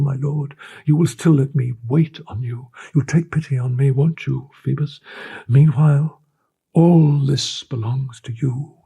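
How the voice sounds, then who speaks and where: A man voicing a young gypsy girl who is lovestruck and pleading, shifting between hushed whispers and urgent cries. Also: on the low side, vocal fry, breathy edge, voice pushed up, full character voice. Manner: tender, imploring, swings between whispers and cries. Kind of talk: audiobook character voice.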